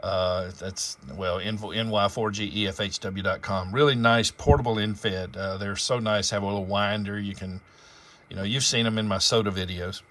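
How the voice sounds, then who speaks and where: A man's voice: lowish voice, fairly even intonation, normal speed, a bit bright. A man hosting an amateur radio channel, talking casually and explaining things in a rambling, conversational way. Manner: rambling, conversational, spells out call signs and jargon. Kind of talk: casual explanatory vlog talk.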